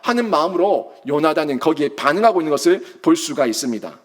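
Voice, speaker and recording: A male pastor delivers a sermon in a high voice that swings widely in pitch. He preaches emphatically and keeps throwing rhetorical questions at his congregation. His delivery stays animated throughout. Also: quick pace.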